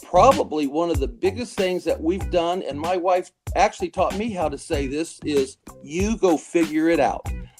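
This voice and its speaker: A man talks at a moderate pace. Background music can be heard behind him. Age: 60s. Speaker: grandfather, podcast guest. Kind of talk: casual interview answer.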